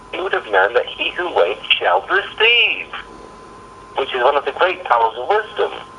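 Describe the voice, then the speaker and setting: There is noticeable background noise while a man speaks at a moderate pace. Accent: English. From England. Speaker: prank caller. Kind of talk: phone call confrontation. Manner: formal; aggressive.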